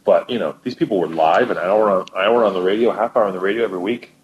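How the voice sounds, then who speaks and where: A man's voice: sits low, fast talker, highs cut off. A man who is a guest musician on a podcast, chatting casually and emphatically, often repeating words for stress. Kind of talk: casual conversational chat.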